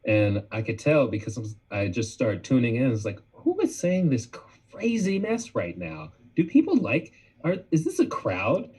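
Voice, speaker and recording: A man tells easygoing stories on a live online chat. His voice is husky and a little breathy, and his pitch swings about a lot as he talks. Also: big pitch swings, moderate pace, darkish tone. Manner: laid-back anecdotal storytelling, laughs easily. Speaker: band member on a live hangout. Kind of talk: casual livestream chat.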